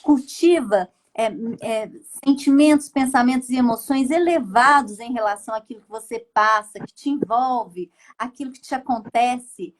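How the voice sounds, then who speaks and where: A woman with a Brazilian accent, a therapist hosting a live stream, explaining her ideas in a measured way. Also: on the high side. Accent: Brazilian Portuguese.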